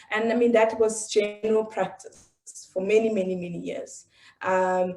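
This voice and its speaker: A woman speaks at a fairly high pitch in a South African accent. Her tone is dark and mellow. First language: isiXhosa. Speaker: education researcher. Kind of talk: conference presentation. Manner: halting, many fillers.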